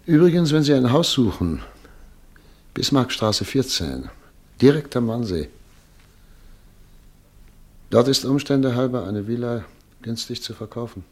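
A man's voice: medium pitch, expressive, measured pace, long pauses, a little mellow. An actor playing a suavely polite, insinuating man in a radio drama. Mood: polite, pointed. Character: suavely polite man offering a villa tip. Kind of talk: mid-century German radio drama acting.

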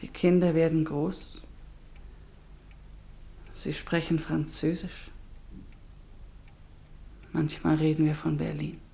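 An actress playing a weary, homesick exiled wife in a radio drama, with a hushed, wistful delivery and dramatic pauses. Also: female voice, low voice, little pitch movement, gravelly, full character voice. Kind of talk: mid-century German radio drama acting.

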